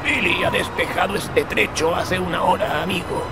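An actor playing a cautious, stubborn small-town local man in an audio drama, firm and deliberate as he speaks. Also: sits high, very noisy. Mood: matter-of-fact.

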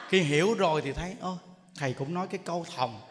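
Speaking fast in a fairly high voice, a Buddhist monk tells a humorous dharma talk and acts out little scenes along the way. He animates quarrels and laughs often; long hall reverb and faint noise mark the recording.

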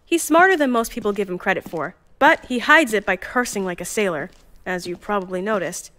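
A woman's voice: medium pitch, a little fast, fairly bright tone, close to an everyday voice. An actress playing Jules, a cheerful, chatty young woman who organizes a time capsule team. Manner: bubbly, chatty, flustered. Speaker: narrator of time capsule recordings.

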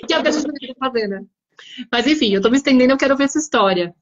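A woman's voice: sits high, very animated, brisk, muffled recording. A woman hosting a live chat, telling a family story with lots of quoted dialogue. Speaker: host.

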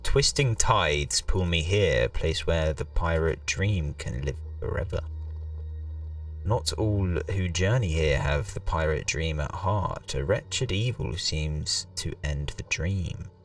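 Man putting on a very deep, solemn pirate storyteller. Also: expressive, far from the mic, exaggerated voice. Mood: solemn, ominous. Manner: slow, solemn, dramatic reading. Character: solemn storybook pirate narrator reading an old journal. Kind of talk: reading game text aloud.

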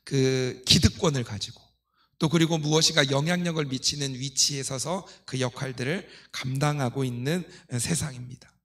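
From an indoor church pulpit, a middle-aged pastor expounds scripture to his congregation in a medium-pitched, fairly bright voice at a moderate pace. He teaches didactically, posing rhetorical questions and leading readings.

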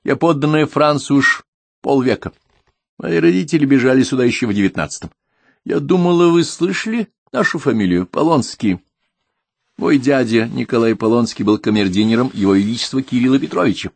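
A man voicing a stern, stubborn old émigré woman who speaks with a French accent and a creaky voice. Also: mid-range voice, expressive, brisk, no echo, pitched above the performer's own voice. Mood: insistent. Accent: French accent in Russian.

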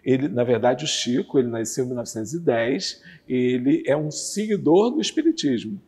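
A man in his fifties, a guest on a TV interview, calmly explaining a religious doctrine with lively hand gestures, on a lapel mic in a curtained studio. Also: mid-range voice, moderate pace, breathy edge, in a large hall. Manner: animated, gestures with both hands while talking. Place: TV studio with red curtain backdrop.

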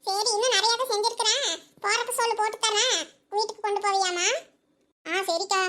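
Chatty village woman, cartoon, very high squeaky voice, bright and sharp, quick gossiping. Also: fairly even intonation. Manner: chatty, fussing, teasing scolding. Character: chatty village women gossiping, homely and fussing. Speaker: cartoon character.

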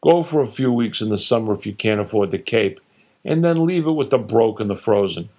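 A man's voice: fairly low pitch, expressive, mellow. A man doing his blustering old father. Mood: scornful. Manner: blustering, dismissive, rattling off rapid-fire insults. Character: opinionated older father boasting about his home state. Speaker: narrator voicing his father.

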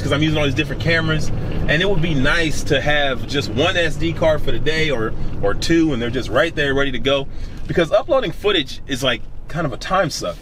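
Man vlogging over loud car noise. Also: fairly high pitch. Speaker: vlogger hosting his own show. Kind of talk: casual vlog chat while testing gear. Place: inside a pickup truck, often moving. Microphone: camera-mounted or onboard camera mics. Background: car engine and road ambience.

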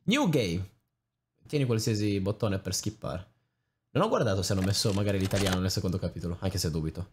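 A man's voice: sits low, lively intonation, brisk, a little mellow, slight background noise. A young man giving casual, rambling, joking let's play commentary with theatrical reactions. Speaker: gaming channel host.

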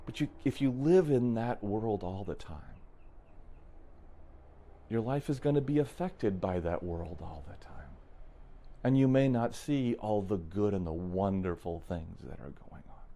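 Guy with a lowish mellow voice just musing on his podcast, thoughtful, kinda rambly. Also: unhurried. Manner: thoughtful, musing, frequent restarts, chuckles. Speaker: podcast host. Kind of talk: reflective solo podcast monologue. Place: traveling in an RV.

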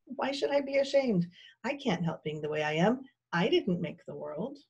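A woman voicing a wily, smug male fox villain in a storybook, with a florid, gloating gentlemanly manner. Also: medium pitch, very animated, moderate pace, husky, lo-fi sound, full character voice. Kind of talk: storybook character voice.

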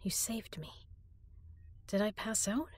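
A young woman performing an intimate audio drama as a frightened prisoner, speaking softly and often in a whisper. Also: mid-range voice, slow pace, no echo. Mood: tender. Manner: soft, breathy, often whispered.

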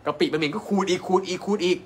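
Animated Thai man pitching his course. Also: racing, slight background noise. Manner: animated and emphatic, asks viewers rhetorical questions. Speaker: acupuncture doctor selling an online course. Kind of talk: live-stream sales pitch.

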